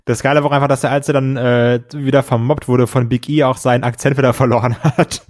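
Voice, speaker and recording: A man's voice: medium pitch, steady tone, fast, dry recording, clean studio sound. A man co-hosting a casual wrestling podcast, talking hesitantly with many fillers. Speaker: podcast co-host.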